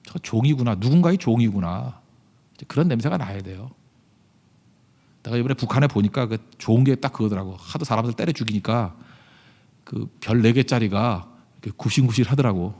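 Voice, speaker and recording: At a church service, a man who pastors the congregation gives a sermon at a brisk clip in a medium-pitched voice. It's conversational and loaded with rhetorical questions, swinging without warning from booming emphasis to quiet side remarks.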